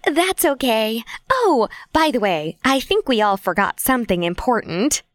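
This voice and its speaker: A woman voicing a gentle, forgiving young mermaid princess in a children's audio story, soft and kindly. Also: a little high, sing-song, a little slow, dry recording. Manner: soft, kindly, hoarse at first.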